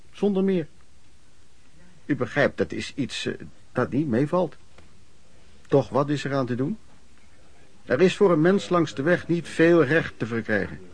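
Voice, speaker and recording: An actor narrating a Dutch radio play as a reflective vagrant, in measured, formal, scripted sentences. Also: male voice, fairly high pitch. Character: earnest, rueful vagrant narrator recalling lodging-house life.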